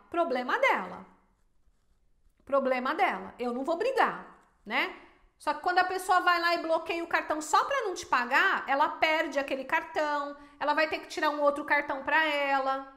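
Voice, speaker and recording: A Brazilian woman with a very high voice talks straight to her viewers about business, emphatic and animated. She keeps throwing in rhetorical questions. The room around her is echoey. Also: normal speed. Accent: Brazilian Portuguese. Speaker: small business owner and teacher. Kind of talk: casual advice to viewers.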